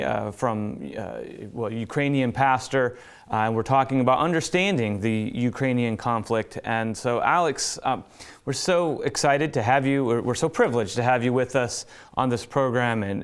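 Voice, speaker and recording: A man's voice: mid-range voice, smooth. A man co-hosting a talk program, welcoming a guest back with repeated words and fillers. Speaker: co-host. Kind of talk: broadcast talk show hosting.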